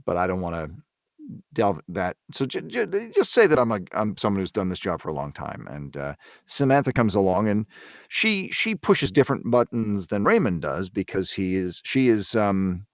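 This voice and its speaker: A man with a low voice in a close, dry recording. He talks reflectively as an interview guest, feeling his way through each thought with stops and repeated words. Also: big pitch swings, no echo. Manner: hesitant, thoughtful, halting delivery with repeated words.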